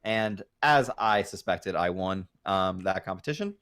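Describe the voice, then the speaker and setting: A man's voice: low voice, animated, a little slow, fairly bright tone, clean tone. A man co-hosting a casual podcast, mock-boastful, swearing and stumbling over his words. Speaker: podcast co-host.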